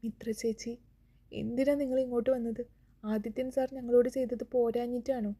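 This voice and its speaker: A woman's voice: a little high, little pitch movement, a little fast, dark tone, slightly rough. A woman reading the lines of an emotional young woman who raises a child as her own, in an audio romance story. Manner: tearful and earnest. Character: young woman, devoted foster mother, emotional.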